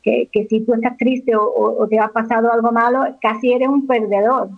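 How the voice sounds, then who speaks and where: A woman's voice: on the high side, steady tone, moderate pace, vocal fry. A woman in her forties from Málaga with an Andalusian accent, a radio interview guest speaking frankly and reflectively. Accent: Andalusian Spanish. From Málaga, Spain. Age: 40s. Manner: frank, reflective, repeats words when starting. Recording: tinny phone line.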